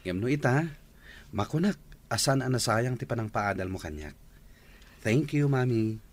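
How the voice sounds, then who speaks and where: A young man with an Ilocano accent, playing a grateful son who just graduated, speaking softly to his mother in a radio drama. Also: mid-range voice, expressive, moderate pace, close to an everyday voice. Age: young adult.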